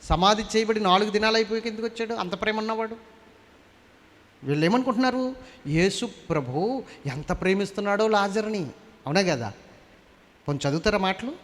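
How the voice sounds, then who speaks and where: A man's voice: high-pitched, fairly quick, pauses often, a bit bright. A male pastor preaching a sermon, constantly questioning the congregation and climbing to fervent emphasis in a church hall.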